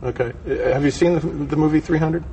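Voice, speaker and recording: A man's voice: a little high, steady tone, fairly quick, crowd noise. A man hosting a live broadcast interview in a conversational presenter's manner. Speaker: television interviewer, host. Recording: slight background noise.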